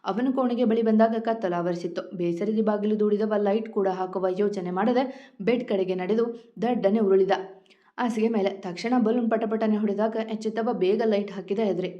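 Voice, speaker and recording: A woman storyteller reads a romantic tale with smooth, expressive narration. Her voice is mid-pitched and the recording sounds dull and lo-fi. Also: moderate pace.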